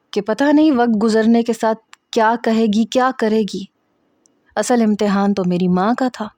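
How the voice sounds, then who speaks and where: A woman narrating a first-person love story in a steady, plain reading. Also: mid-range voice, dry recording.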